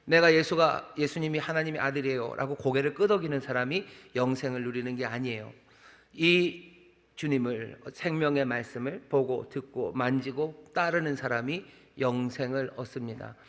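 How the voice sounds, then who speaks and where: A middle-aged senior pastor with a medium-pitched, fairly bright voice preaches at normal speed in a conversational style. He uses rhythmic repeated phrases and rhetorical questions, and the large church sanctuary gives the recording a long hall reverb.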